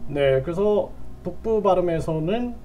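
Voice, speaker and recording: An older man teaching a language lesson, patiently repeating phrases and dropping his voice low on side remarks. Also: expressive, measured pace, dull audio, a little hiss or hum. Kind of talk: lecture with repeated drills.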